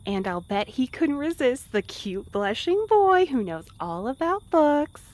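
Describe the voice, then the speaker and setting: A woman acting in a fiction podcast as a caring, romantic courier who speaks expressively and banters playfully. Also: high-pitched. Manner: expressive, solicitous, quick to banter.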